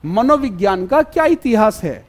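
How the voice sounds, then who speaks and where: A man's voice: high-pitched, very animated, normal speed. A man teaching a live online exam-prep class, fatherly and repetitive, always checking whether his students follow. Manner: fatherly, keeps calling students "beta" and checking if they follow.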